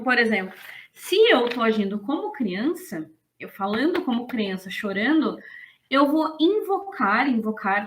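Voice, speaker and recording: A woman teaching in a casual, lively and blunt way, often slipping into acted quotes. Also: fairly high pitch. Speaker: business coach. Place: indoors, streaming to an online audience.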